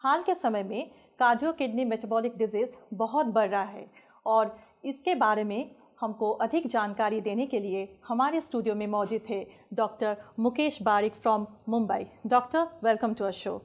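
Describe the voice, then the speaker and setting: A woman's voice: fairly high pitch, moderate pace. Young female TV anchor, formal. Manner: formal, asks questions. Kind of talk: scripted show hosting. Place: TV studio set.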